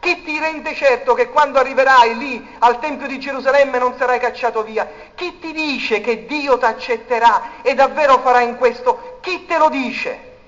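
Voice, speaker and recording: A man preaching a sermon, swinging between loud declaiming and hushed, intimate passages. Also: extremely high pitch, normal speed. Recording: dull recording in a reverberant hall.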